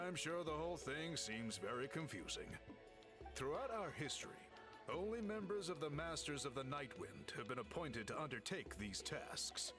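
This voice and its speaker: An actor playing a tall, courteous tribal chief in a video game, formal and measured with slight hesitations. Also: male voice, on the high side, animated, close to an everyday voice. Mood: explaining solemnly. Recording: faint music behind.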